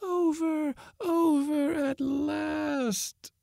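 A man voicing an eerie spirit that gloats in a drawn-out, repetitive singsong. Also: very high-pitched, steady tone, gravelly, a little mellow, dry recording, clean studio sound, pitched above the performer's own voice, full character voice. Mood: exultant. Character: eerie high-voiced spirit, gloating after a long wait.

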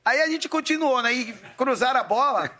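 A man with a high, bright voice tells stories from his playing days. He acts out what others said, shifting between quiet asides and bursts of loud quoted lines. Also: animated, brisk. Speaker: guest, former footballer. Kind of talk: casual storytelling chat.

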